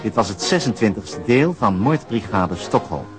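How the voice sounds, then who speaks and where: Male announcer, fairly low, scripted credit read for a radio serial with music behind. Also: lively intonation, normal speed.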